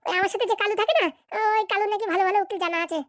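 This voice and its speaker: Woman as an eager cartoon son, squeaky-high. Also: fairly even intonation, very fast, a bit bright, no echo, studio quality. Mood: deferential, hopeful. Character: eager, deferential young adult son planning marriage. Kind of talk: comedy cartoon dialogue.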